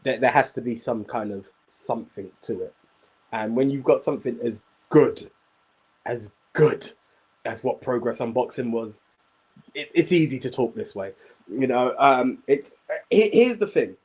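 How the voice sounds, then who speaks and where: Husky emphatic man. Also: mid-range voice, lively intonation, a little slow, darkish tone, poor audio. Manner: emphatic, repeats himself for emphasis. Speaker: wrestling review show host. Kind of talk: casual podcast chat.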